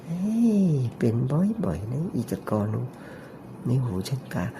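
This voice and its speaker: A man narrating an ear-cleaning demonstration, talking in a deliberately raised, soft, falsetto-like voice with chatty, joking asides. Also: sing-song, noisy background.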